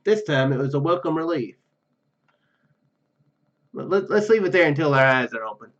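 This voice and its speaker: A man's voice: fairly high pitch, expressive, moderate pace, fairly bright tone, muffled recording. A man giving casual let's play commentary and reading game text aloud, hesitant and rambling, often repeating his phrases. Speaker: YouTube game player. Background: game music.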